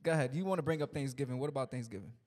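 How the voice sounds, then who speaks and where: A man's voice: medium pitch, rapid-fire, a little mellow, in a large hall. A man co-hosting a casual live show, greeting the chat and joking with friends. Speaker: podcast co-host.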